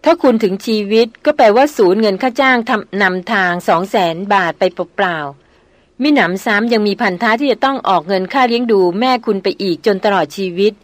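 A woman's voice: fairly high pitch, animated, normal speed, no echo, natural voice. A woman reading an audiobook novel, voicing a proud, wry male jungle hunter with a dry, teasing manner.

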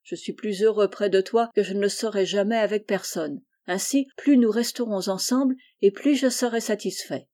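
A woman's voice: medium pitch, moderate pace, hardly any pauses, warm tone, lightly acted. Humble, earnest boy , read by a woman, imploring and devoted, storybook audiobook. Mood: pleading, earnest. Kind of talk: audiobook reading.

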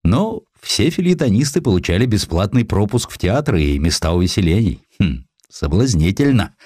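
A man's voice: on the low side, very animated, moderate pace, a little mellow, slightly rough, no echo. A man voicing a venerable old editor reminiscing in a dramatized audiobook, theatrical and self-mocking, savoring his florid words. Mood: wry, confiding. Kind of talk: dramatized audiobook character quotes.

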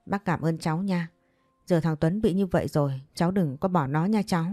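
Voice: medium pitch, a little fast, a little mellow, dry recording, clean studio sound, close to an everyday voice. A woman voicing a grieving middle-aged mother who speaks tearfully about her injured son.

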